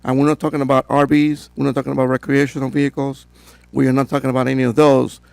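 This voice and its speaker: A man presenting to a town council, his voice hoarse from a cold. He speaks in a flat, level tone with little rise and fall, steady and procedural, with filler sounds between points. The sound is dry and close. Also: medium pitch, fast, no echo. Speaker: code enforcement director.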